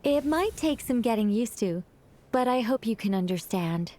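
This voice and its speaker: A woman voicing a formal, composed witch, high-voiced. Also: expressive, darkish tone, close to an everyday voice. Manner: measured and formal, breaking into embarrassed fluster. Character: reserved female witch, formal yet easily flustered. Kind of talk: video game voice acting.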